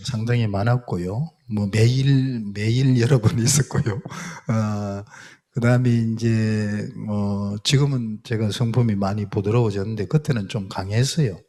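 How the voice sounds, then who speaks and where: A man's voice: fairly low pitch, steady tone, normal speed, mellow. A middle-aged man, a missionary, giving a testimony lecture, telling his story with feeling and acting out prayers and quotes. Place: lecture hall.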